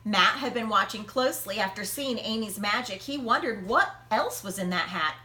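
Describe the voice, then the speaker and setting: A woman reading a children's picture book aloud, expressively, with dramatic pauses and emphasis. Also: mid-range voice, lively intonation, bright, forceful tone, reverberant. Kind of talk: animated children's read-aloud.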